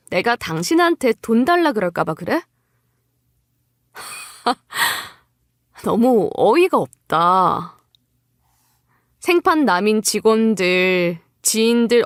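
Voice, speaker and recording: A hurt and exasperated wife in a narrated drama, acted by a woman. Her voice is fairly high and very animated, reproachful and full of emotion. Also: slow, long pauses, no room sound, studio quality. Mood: indignant.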